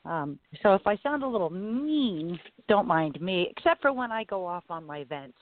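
A woman hosting a live talk radio show in a low, raspy voice, speaking deliberately and leaning on phrases for emphasis. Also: animated. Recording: tinny phone-line radio audio.

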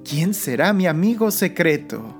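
Slow, soothing woman guiding a meditation. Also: fairly low pitch, very animated. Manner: soothing, unhurried, pausing between short phrases. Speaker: guide of a Christian prayer meditation. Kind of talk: guided relaxation meditation, like a sleep story narrator. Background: music.

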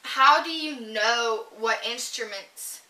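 A woman's voice: fairly high pitch, takes it slowly, sharp tone. A woman hosting a casual chat, talking chattily with lots of fillers. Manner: chatty, many fillers, giggly. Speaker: host. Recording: roomy, distant mic.

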